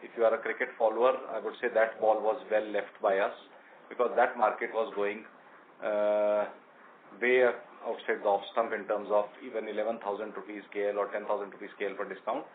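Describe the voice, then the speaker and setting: A man with an Indian accent answering questions as a company executive on an earnings conference call, explaining in a measured, halting way. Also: on the low side, little pitch movement. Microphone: conference call line. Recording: tinny conference phone line with noise.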